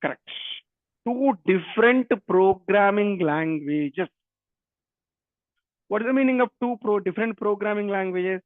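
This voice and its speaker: A Telangana man whose first language is Telugu speaks in a high, slightly slow voice with frequent pauses and a Telugu Indian English accent. He is a programming instructor giving an interactive online technical lecture, often repeating phrases and questions and speaking directly to students. The audio has no echo and sounds like a narrow phone line.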